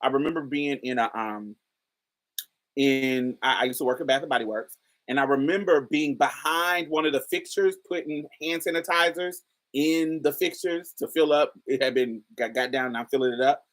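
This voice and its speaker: A woman with a particularly deep voice, hosting a casual commentary and talking straight to her viewers in an emphatic, chatty way. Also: normal speed. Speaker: host.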